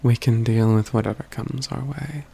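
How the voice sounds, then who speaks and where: In a soft-spoken ASMR fantasy roleplay, a man voices a calm, courtly mage companion, speaking in measured, halting phrases that often sink to a whisper. His medium-pitched voice is slightly rough with vocal fry, and his mood is calm and deliberate.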